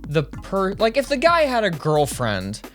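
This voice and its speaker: Lively-voiced man chatting on a podcast. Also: high-pitched, unhurried, soft background music. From Nashville, Tennessee. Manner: rambling, self-interrupting, amused. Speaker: podcast co-host. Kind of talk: casual chat.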